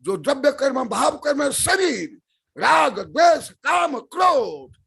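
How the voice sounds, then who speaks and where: An older man giving a sermon as a spiritual teacher, chanting verses and repeating key words with emphatic bursts of loud speech. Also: very high-pitched, big pitch swings, slow pace, vocal fry. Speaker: Jain acharya preaching. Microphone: online webinar stream.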